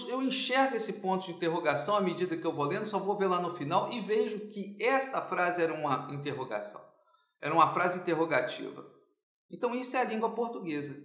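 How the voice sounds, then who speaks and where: High-voiced man explaining patiently. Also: animated, brisk, a bit bright, reverberant. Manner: didactic, checks in with "tá certo?" often. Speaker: businessman, English school owner. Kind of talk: explaining in an interview.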